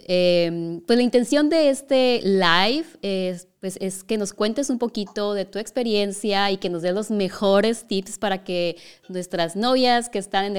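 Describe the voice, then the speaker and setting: Smooth-voiced woman hosting a casual interview. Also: medium pitch. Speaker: podcast host, interviewer.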